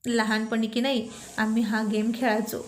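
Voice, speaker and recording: Playful young woman in a storybook, read by a woman, teasing, coaxing, stubborn, high voice. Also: flat delivery, moderate pace, natural voice.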